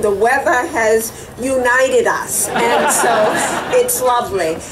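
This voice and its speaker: Amid crowd noise and audible room echo, a woman with a high pitch talks at a very slow pace. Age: 80s+. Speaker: civil rights activist. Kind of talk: rally speech.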